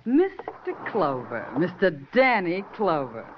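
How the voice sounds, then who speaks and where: A woman's voice: fairly low pitch, wildly swooping pitch, takes it slowly, exaggerated voice. A woman playing Belle, a scheming female gangster in a 1950s radio drama, with a purring, mocking way of talking. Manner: purring, mocking, turns pleading. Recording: dull old radio broadcast, faint hiss.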